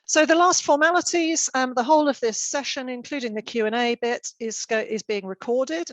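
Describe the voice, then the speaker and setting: A woman's voice: mid-range voice, no room sound. A woman chairing an online panel event, giving formal, orderly introductions over a video call.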